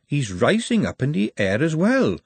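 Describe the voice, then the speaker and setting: A man's voice: on the high side, very animated, measured pace, slightly rough, no room sound, voice pushed up, full character voice. A man voicing a dreamy, half-hypnotised young woman in an audiobook. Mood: entranced. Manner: soft, entranced.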